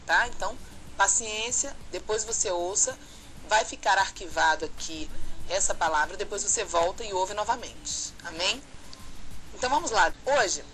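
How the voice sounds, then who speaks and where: A woman's voice: mid-range voice, a bit bright, low-quality recording. A woman pastor delivering an earnest, fervent sermon to an online audience, recorded on a home webcam. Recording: faint background noise from a webcam stream.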